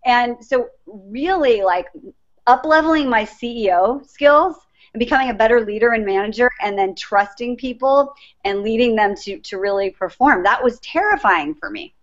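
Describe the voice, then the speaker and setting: A woman's voice: on the high side, animated, moderate pace. A middle-aged woman, a life coach, telling her story earnestly as an interview guest. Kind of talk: interview answers, personal story. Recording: dull lo-fi recording.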